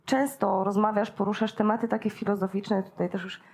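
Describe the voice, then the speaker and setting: A woman's voice: medium pitch, level tone, fairly quick, darkish tone. A woman hosts a casual interview and asks her guest questions. She talks in a conversational way and keeps affirming him with short "mhm" sounds. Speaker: interviewer, host.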